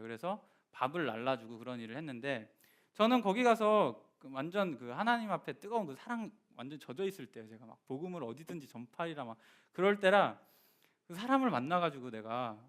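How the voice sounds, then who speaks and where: Animated young male preacher. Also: fairly high pitch. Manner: animated storytelling, voice rising and dropping for emphasis; restarts and fillers, conversational address to congregation. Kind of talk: sermon with personal story.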